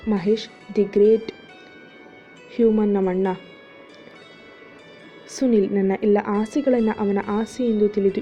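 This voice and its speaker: A woman's voice: mid-range voice, mellow, lightly acted. A woman voicing a tipsy, lovesick young woman in an audio story, talking in a pleading, emotional way. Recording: dull lo-fi audio with faint music.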